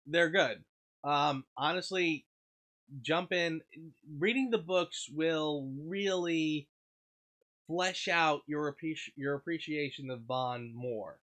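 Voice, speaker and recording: A man hosting a casual livestream, stuffed up and sniffling, clearing his throat often and rambling as he answers viewer chat. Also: a little high, fairly bright tone. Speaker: livestream host.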